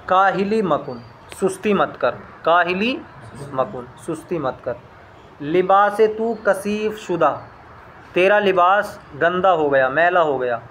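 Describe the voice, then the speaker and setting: A man with a high voice works through a recorded lesson, reading a phrase and then repeating it. He talks slowly and explains each word in turn. A faint room hum runs underneath. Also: a bit bright. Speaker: language teacher.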